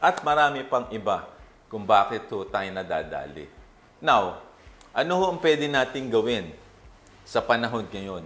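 A man speaks at a fairly slow pace with vocal fry and very wide pitch swings. Long pauses break up his speech frequently. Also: medium pitch for a man. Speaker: physician and health advocate. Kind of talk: health talk show monologue. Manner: polite, conversational.

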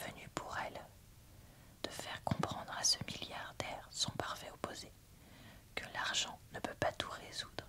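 A fairly slow whisper broken by long, frequent pauses. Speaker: book reviewer. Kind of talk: casual book review, reading a summary aloud. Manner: soft, close ASMR reading voice.

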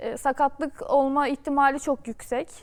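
A woman with a high pitch, monotone, flat intonation, and a moderate pace. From Turkey, Istanbul and Bodrum. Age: 20s. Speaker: Olympic sailor. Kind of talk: interview. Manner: frequent hesitations.

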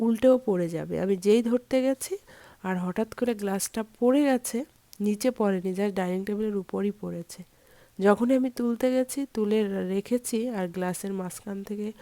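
A woman's dark, mellow tone with ordinary pitch variation, dry and close with no echo. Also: medium pitch for a woman. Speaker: family vlogger. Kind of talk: vlog narration.

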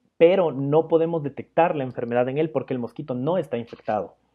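The man's voice is fairly high in pitch. His intonation is lively. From Ecuador. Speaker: doctoral student. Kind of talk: lecture. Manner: halting, frequent fillers.

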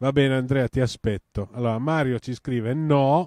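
A man at a fairly slow pace. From northern Italy (Turin, Liguria), Apulian family. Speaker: livestream host. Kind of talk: live stream chat reading viewer comments. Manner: casual, hesitant with fillers.

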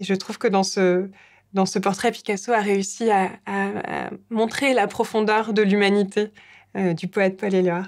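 Keeping very even loudness, a woman speaks at a fairly slow pace with monotone, flat intonation. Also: quiet background. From France. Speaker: museum director. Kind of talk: personal testimony. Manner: halting, many hesitations. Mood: warm, reflective, smiling. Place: studio.

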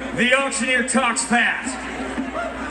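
A man speaks over noticeable background noise. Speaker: auctioneer. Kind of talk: auctioneer explaining his craft to an audience, humorous. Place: stage. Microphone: handheld.

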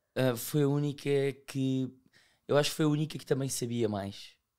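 Dark, mellow tone from a man, quiet background behind him. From Portugal, Estoril; Portugal. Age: 20s. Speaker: student sharing mental health experience; podcast guest. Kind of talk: personal testimony in interview. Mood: reflective, personal, somewhat hesitant. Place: studio. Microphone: studio mic.

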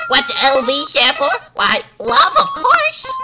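A put-on character voice, squeaky and extremely high-pitched, speaks at a very slow pace over music in the background. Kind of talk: cute, theatrical. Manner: sweet, flowery.

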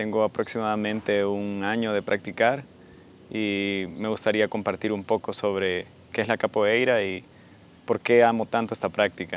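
In a dry sound with no echo, a man talks at a moderate pace with a fairly low pitch and monotone, flat intonation. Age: 30s. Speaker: capoeira practitioner. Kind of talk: interview testimony. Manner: halting. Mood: warm, reflective. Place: garden.

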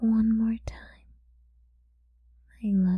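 Soft-spoken and at a very slow pace, the voice comes through in a dry sound with no echo against a quiet background. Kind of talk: soft audio roleplay sleep aid. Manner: soft-spoken, hushed bedtime voice.

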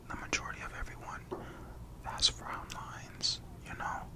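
The speaker is whispering. The pace is moderate. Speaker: ASMR artist; ASMR creator. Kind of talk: ASMR role play, personal attention. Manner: whispered. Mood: gentle, reassuring.

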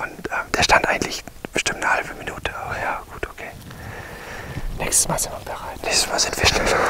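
Whispering at a fairly quick pace, a man speaks. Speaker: professional hunting guide. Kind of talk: hushed field commentary. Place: open country. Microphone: lapel.

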